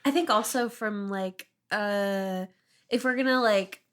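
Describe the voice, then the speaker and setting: A woman chats casually as a podcast co-host. Her voice is average in pitch, and she explains things by imitating sounds and voicing imagined thoughts. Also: a little slow, clear, resonant tone. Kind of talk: casual chat.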